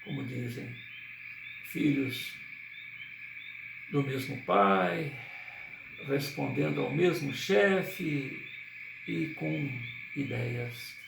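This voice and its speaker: A man reading the lines of an earnest young preacher, speaking slowly and sincerely, recorded in a roomy space from a distance with crickets and frogs behind. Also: medium pitch, expressive, creaky, noisy background, exaggerated voice.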